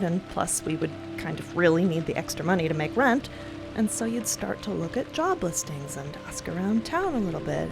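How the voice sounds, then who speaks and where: A woman's voice: mid-range voice, close to an everyday voice. An actress playing an earnest, loyal, teasing young woman friend in an audio drama, speaking casually and with feeling. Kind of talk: dramatic audio fiction acting, conversational. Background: music and rain sounds.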